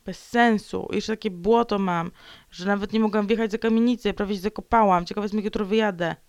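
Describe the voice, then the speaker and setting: Woman vlogger, solo grumbling monologue, gravelly texture, dry close sound, sulky rants with whispered asides and mock growls. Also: medium pitch, fairly even intonation, brisk, darkish tone, no echo. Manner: sulky ranting, dips into whispered mutters; playful growls and repetitions.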